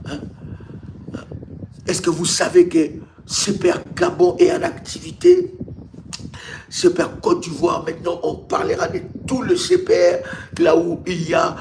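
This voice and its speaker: A man's voice: on the high side, big pitch swings, a little slow, creaky, pauses often, darkish tone. A male pastor preaches on a live stream in an emphatic, repetitive way, with rhetorical questions and stammered restarts. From Congo. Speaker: pastor, ministry leader. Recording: faint background noise, live stream.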